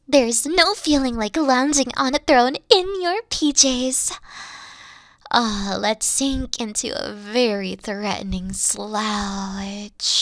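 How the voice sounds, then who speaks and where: High, animated, dorky evil queen. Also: no room sound, studio quality, full character voice. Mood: relaxed, playful. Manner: grandiose, pompous villain talk slipping into casual dorkiness. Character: dorky, theatrical evil queen, secretly sweet and needy. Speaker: voice actress in audio roleplay. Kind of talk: comedic character roleplay monologue.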